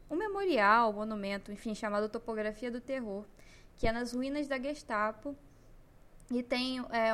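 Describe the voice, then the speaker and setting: A young Brazilian woman with a Brazilian Portuguese accent, hosting a podcast and telling a personal story in an emotional, animated way. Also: a little high. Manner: emotional, animated retelling with slang. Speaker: podcast host.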